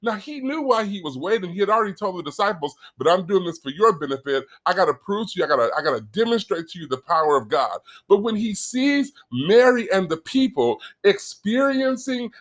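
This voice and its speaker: A man preaching an earnest sermon, reading scripture slowly, repeating words as he builds a point and talking straight to his listeners. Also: sits high, big pitch swings. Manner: reads scripture slowly and deliberately; addresses listeners directly and conversationally.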